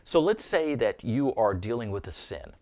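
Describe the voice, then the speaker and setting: A man's voice: mid-range voice, sing-song, normal speed, darkish tone. A man giving an earnest, informal Christian teaching, often repeating words as he thinks aloud.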